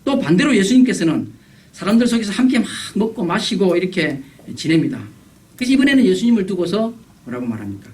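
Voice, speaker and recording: Animated male pastor, heard from afar. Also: high voice, quick pace, recorded from a distance, low-quality recording. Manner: animated preaching, acting out quoted voices. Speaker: guest pastor. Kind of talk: revival sermon. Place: church sanctuary.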